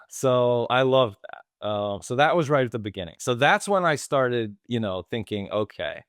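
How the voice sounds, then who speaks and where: A man's voice: fairly low pitch, vocal fry, a bit bright, no room sound, studio quality. A man co-hosting a movie podcast, eagerly retelling film scenes at length in casual chat. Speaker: podcast co-host.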